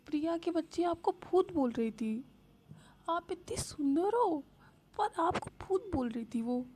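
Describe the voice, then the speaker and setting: A woman's voice: sits high, normal speed, dark tone. A woman voicing a drunk, childish young woman student who pleads and whines in a babyish way. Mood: drunk, whiny.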